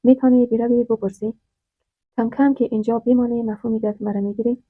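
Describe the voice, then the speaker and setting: A woman voicing a calm, serious tribal man who speaks quietly and evenly in a storybook tale. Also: on the high side, husky, no room sound. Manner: calm and composed. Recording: dry, tinny phone-like sound.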